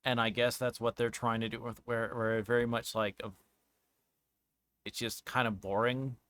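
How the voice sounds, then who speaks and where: A man giving casual, rambling commentary as a game streamer, halting and searching for words, often trailing off mid-thought. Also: medium pitch, flat delivery, fairly bright tone, dry recording. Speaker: streamer reviewing a visual novel game.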